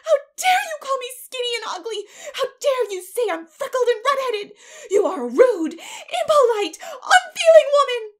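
A woman voicing an indignant young orphan girl in a storybook, vehement and defiant, shouting in a choked voice. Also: very high-pitched, sing-song, normal speed, voice pushed up. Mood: enraged, tearful.

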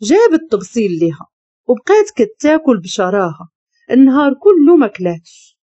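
A woman with a Moroccan Arabic accent narrating a dramatic story in an expressive, emotional way. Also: sits high, fairly quick, husky, no room sound, highs cut off.

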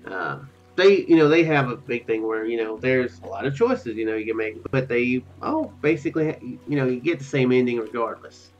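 A man's voice: mid-range voice, lively intonation, normal speed. Sleepy guy chatting about a game, kinda rambly and unsure, muffled mic w music behind. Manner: rambling, hesitant, tentative musing. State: tired, drowsy. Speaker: gaming video host. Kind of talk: casual game commentary to viewers. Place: small room at home.

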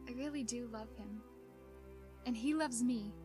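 A woman's voice: a little high, measured pace, music in the background, lightly acted. A woman voicing an exasperated but adoring pony wife in a confiding, dramatic way for a fan fiction audio drama. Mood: tender, smitten.

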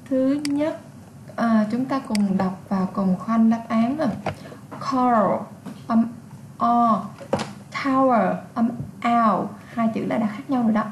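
A woman's voice: fairly high pitch, echoey room, a little hiss or hum. A woman from Vietnam with a Vietnamese accent, teaching an English exam lesson, patiently repeating words and explaining their sounds.

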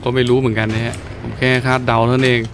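A man's voice: mid-range voice, very fast. Man doing casual game commentary over music. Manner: animated, exclamatory, playful muttering. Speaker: gameplay commentator. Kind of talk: casual let's-play commentary. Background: video game music.

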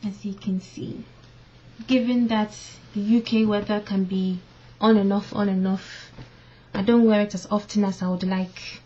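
Slow-talking young woman on webcam. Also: mid-range voice, fairly even intonation, dark tone, slight background noise. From born in London, part raised in Ghana. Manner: slow, thoughtful, reads questions aloud. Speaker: vlogger. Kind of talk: casual talk to webcam, mixing English and Fante. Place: living room at home, indoors. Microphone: built-in webcam mic. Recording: dull lo-fi webcam audio.

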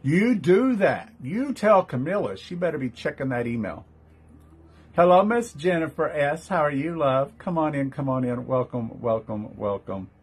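Chatty husky-voiced man selling jewelry live. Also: fairly high pitch, lively intonation, moderate pace. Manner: chatty, greets viewers by name, upbeat selling. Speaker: jewelry seller hosting a live sale. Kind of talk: casual live-stream sales chat.

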